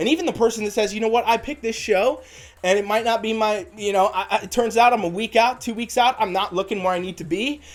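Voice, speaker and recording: Very fast, high-pitched male speech, animated in tone, with noticeable background noise. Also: ordinary pitch variation. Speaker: fitness coach. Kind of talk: advice video.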